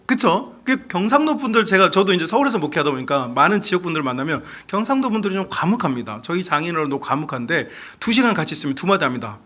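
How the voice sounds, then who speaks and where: A man delivers a sermon from the pulpit in a high voice that swoops up and down. He preaches with animation, turning to the congregation with questions and slipping into other voices for quoted speech. His tone is bright and forward. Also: sing-song, fast, few pauses. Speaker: pastor.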